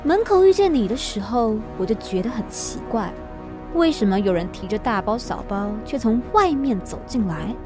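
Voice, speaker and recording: An actress plays a clever, cocky woman scientist in a radio drama. Her voice is fairly high and very animated, made for analysis and taunts. Music plays clearly behind her. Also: normal speed. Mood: coolly analytical. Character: cool, cocky, analytical female brain scientist. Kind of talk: Mandarin radio drama acting.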